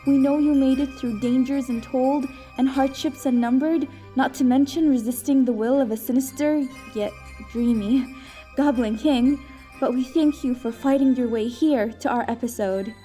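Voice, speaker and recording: High, mellow woman reading credits. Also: steady tone, moderate pace, faint music behind. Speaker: podcast credits reader. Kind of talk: scripted credits narration.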